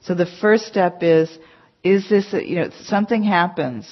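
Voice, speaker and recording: A woman's voice: on the low side, moderate pace. Chatty woman giving a meditation talk. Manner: chatty, emphatic, full of "you know" asides. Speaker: meditation teacher. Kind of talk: conversational dharma talk to a class. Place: meditation center hall. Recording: dull lo-fi talk recording.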